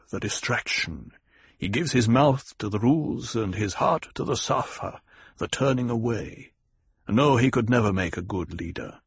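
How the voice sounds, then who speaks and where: A man voicing a grave desert tribal leader, speaking low, slow and measured. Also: breathy edge.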